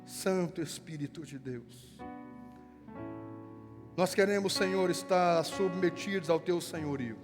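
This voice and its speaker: This man's voice sits high, and his Brazilian Portuguese carries the gaúcho accent of Rio Grande do Sul. As pastor, he prays fervently with long, stretched-out lines, jokes around, and reads out announcements. Worship music fills the echoing sanctuary behind him.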